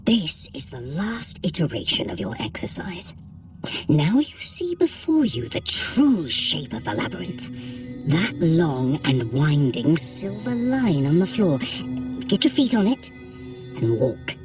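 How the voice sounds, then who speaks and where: A woman's voice: low voice, big pitch swings, slow, full character voice. A woman playing a sly, haughty trickster deity in an audio adventure workout, with an arch, droll, condescending delivery. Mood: droll, instructive. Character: sly, haughty trickster deity guiding a mortal through a heist. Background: music.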